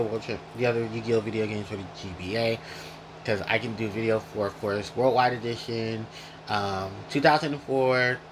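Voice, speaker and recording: A man's voice: medium pitch, a little hiss or hum, rough recording. A man hosting a casual gaming retrospective, rambling and correcting himself as he goes, chewing while he talks. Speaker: gaming video host.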